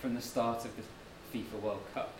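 A man's voice: medium pitch, steady tone, moderate pace. Male guest lecturer, conversational and modest, distant mic with room noise. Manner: modest, slightly self-deprecating, conversational. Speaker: guest speaker, author and anthropologist. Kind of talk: public lecture. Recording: echoey room from far off, noisy.

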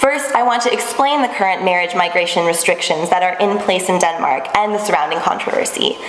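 A woman in her twenties giving a measured academic presentation to a panel in a small seminar room. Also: on the low side. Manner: clear, measured lecturing with occasional restarts. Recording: echoey room with long reverb, faint background noise.

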